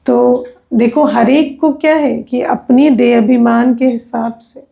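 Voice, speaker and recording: A woman gives a spiritual discourse at an unhurried pace and keeps checking in with her listeners through tag questions. Her voice sits fairly high yet sounds mellow, with a heavy gravelly fry. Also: steady tone. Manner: conversational, tag questions, personal anecdotes. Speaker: spiritual teacher.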